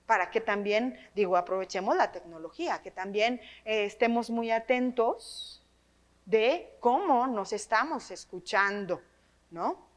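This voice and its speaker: A woman's voice: a little high, unhurried. A woman with a Mexican accent leading a workshop for teachers, talking with a trained, projected voice and often checking in with her listeners. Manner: lively, tags phrases with questions to the audience. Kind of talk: teaching workshop on reading aloud. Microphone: microphone.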